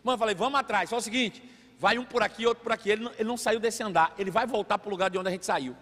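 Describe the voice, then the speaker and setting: Male pastor, high voice, lively storyteller, big reverberant church hall. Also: rapid-fire. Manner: animated storytelling, acts out voices. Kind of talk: sermon.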